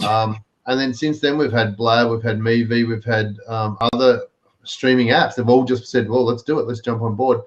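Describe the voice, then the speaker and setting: A man's voice: medium pitch, moderate pace. Australian male host, easygoing, muffled web audio. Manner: relaxed, explanatory, many fillers. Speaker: live stream show host. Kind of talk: casual chat. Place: home, in the US. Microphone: video call. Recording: dull lo-fi video call audio.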